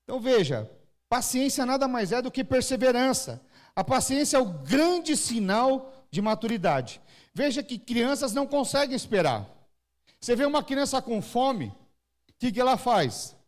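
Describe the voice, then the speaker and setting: A man's voice: very high voice, big pitch swings, moderate pace. A man from Brazil with a São Paulo-area Brazilian Portuguese accent, preaching a church sermon and acting out crying babies and parents. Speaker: pastor. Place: church service.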